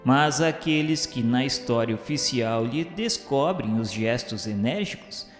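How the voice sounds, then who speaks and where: A man's voice: medium pitch, lively intonation. Brazilian guy doing solemn religious radio novela narration, big echoey sound, music behind him. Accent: Brazilian Portuguese. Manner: formal, measured phrasing. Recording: roomy reverberant sound with music underneath.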